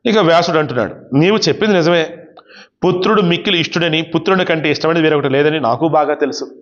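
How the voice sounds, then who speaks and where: A man with a high, light voice tells an old devotional epic, reading a passage and then breaking it down in casual spoken terms. The recording is dull and lo-fi. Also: fast talker. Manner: reads verses then explains them in everyday speech. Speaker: devotional storyteller. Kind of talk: retelling an epic with casual commentary.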